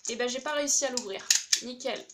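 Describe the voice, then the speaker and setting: Excited high-voiced woman unboxing crafts. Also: quick pace, very noisy. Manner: enthusiastic, chatty, many fillers. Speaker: craft YouTuber opening a swap package. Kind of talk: casual unboxing chat.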